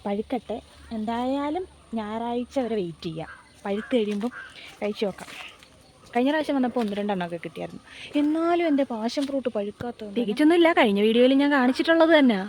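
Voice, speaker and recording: Soft-spoken woman vlogging in her garden. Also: a little high, lively intonation, fast talker, long pauses, a little hiss or hum. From Kerala, India. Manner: soft-spoken, musing and confiding. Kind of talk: casual vlog chat to camera. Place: outdoors in a home garden.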